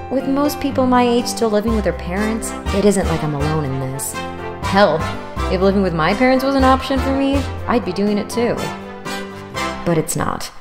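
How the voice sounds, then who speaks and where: A woman's voice: medium pitch, big-room sound, natural voice. An actress playing a sarcastic, exasperated young college student who narrates her own story in an audio drama, wry and self-deprecating. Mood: chatty, self-deprecating. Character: snarky, exasperated 24-year-old woman, broke college student. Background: music.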